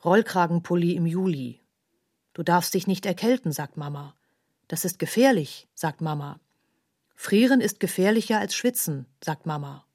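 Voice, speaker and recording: A woman's voice: fairly low pitch, moderate pace, a little mellow. An actress playing a grave female narrator of a tormented childhood in a literary radio play, speaking in stark, clipped, emphatic phrases. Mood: sombre, anguished. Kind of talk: literary radio play monologue, terse fragmented delivery.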